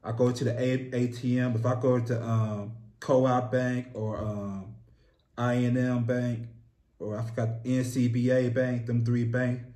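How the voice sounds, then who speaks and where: An American man talking casually as an interview guest, candid and relaxed, often saying "you know what I mean". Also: mid-range voice, unhurried. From United States. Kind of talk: casual conversation. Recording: echoey room.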